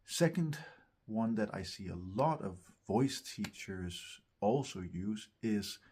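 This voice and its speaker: A man with a lowish, husky voice gives instruction as a vocal coach. He talks at an unhurried pace, searching for his phrasing and repeating words for emphasis. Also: lively intonation, a little mellow. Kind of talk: instructional talk to camera.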